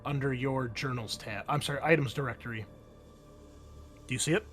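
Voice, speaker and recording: A man's voice: medium pitch, brisk, a bit bright. Man narrating a tabletop game, music behind. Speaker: game master.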